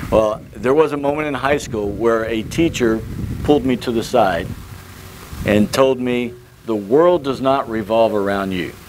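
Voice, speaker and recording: Light background noise sits behind a man speaking. He has a Kentucky accent and ordinary pitch variation. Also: fairly slow pace. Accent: Kentucky American. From Kentucky, US South. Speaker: army officer; interviewee. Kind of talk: interview. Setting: military camp. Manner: halting, many fillers and repetitions. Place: open country.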